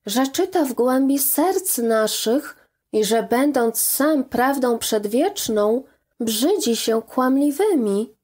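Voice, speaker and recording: A stern, loving mother from an old storybook scolds in grave, measured tones, voiced by a woman reading. The voice sits fairly high. Her delivery is unhurried and deliberate. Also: animated, darkish tone, heavily acted. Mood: reproachful.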